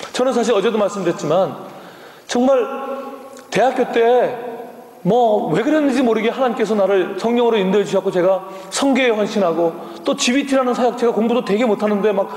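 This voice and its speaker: A middle-aged man, a missionary, preaching a sermon in a church with animated storytelling and frequent tag questions. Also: very high voice. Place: church sanctuary. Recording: echoey hall with long reverb.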